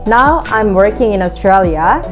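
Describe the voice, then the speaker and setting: A young woman with a Korean accent, a Korean native speaker, giving relaxed conversational tips in a vlog, often using "like" as a filler. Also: mid-range voice, moderate pace. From South Korea. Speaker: vlogger. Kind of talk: casual talking-to-camera tips. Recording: background music.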